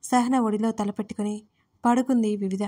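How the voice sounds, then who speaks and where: A woman narrating a romantic audio story in a steady, expressive reading style, close to the mic. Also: medium pitch, normal speed.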